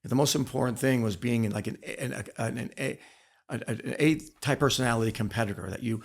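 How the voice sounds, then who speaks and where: Gravelly-voiced man telling stories emphatically. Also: medium pitch, brisk. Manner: emphatic, repeats phrases for weight. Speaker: interview guest, former wrestler and coach. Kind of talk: candid storytelling in a podcast interview.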